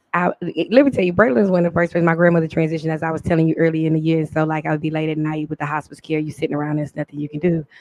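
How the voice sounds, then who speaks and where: With a Texas accent, a woman talks at a very fast pace in a very deep, low voice, her intonation fairly even and hardly any pauses, the sound dry and close with no echo. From Texas, Houston. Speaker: livestreamer and teacher. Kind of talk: casual chat.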